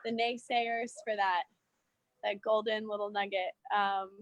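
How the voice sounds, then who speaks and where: A woman actress, originally from Mexico and raised in Ohio, chatting warmly as a guest from a park outdoors. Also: medium pitch, fairly even intonation, unhurried, no room sound, dull audio. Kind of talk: casual interview chat.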